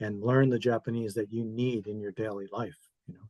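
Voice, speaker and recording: A man's medium-pitched voice has a dark, mellow tone and fairly even intonation, with a dry, close sound and no echo. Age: 60s. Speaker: language student giving a review. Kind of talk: interview. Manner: halting, many repetitions and fillers.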